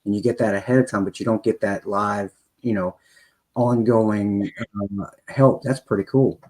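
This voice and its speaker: A man's voice: lowish voice, steady tone, moderate pace, a little mellow, poor audio. A man hosting a podcast, talking in a loose, rambling way. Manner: rambling, with many fillers and restarts. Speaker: podcast host. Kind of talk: casual podcast interview.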